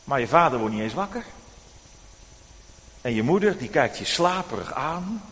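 A man preaching to children, telling a Bible story in an animated storytelling manner, addressing the boys and girls directly, in a reverberant church. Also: mid-range voice, normal speed.

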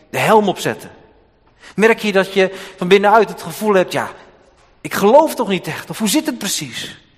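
Guy preaching in a church, goes loud then soft, echoey hall. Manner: emphatic preaching with dramatic swings in pitch and loudness. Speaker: pastor. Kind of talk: sermon. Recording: long hall reverb.

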